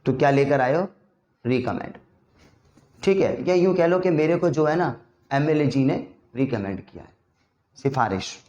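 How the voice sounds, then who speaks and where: A man's voice: fairly high pitch, lively intonation, a little slow, pauses often, darkish tone, echoey room, muffled recording. A man teaching English vocabulary in a casual Hindi lesson, acting out little scenes and quizzing the listener.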